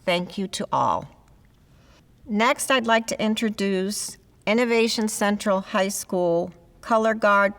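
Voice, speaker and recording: A woman announcing a ceremony, reading names and introductions in a measured, formal way. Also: medium pitch, fairly bright tone. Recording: long reverb of a large hall.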